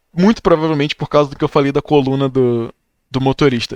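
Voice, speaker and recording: A man's plain, everyday voice, fairly high in pitch with ordinary pitch variation, in a dry, close sound with no echo. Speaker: automotive safety YouTuber. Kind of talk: video reaction commentary. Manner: casual, conversational.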